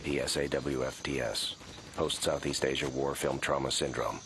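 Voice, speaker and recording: A man voicing a stoic cartoon pig detective with a deadpan, formal delivery and an Ozark twang. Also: extremely low pitch, normal speed, heavy background noise. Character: stoic male pig detective, dry and wistful. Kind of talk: animated comedy acting. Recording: music behind the voice.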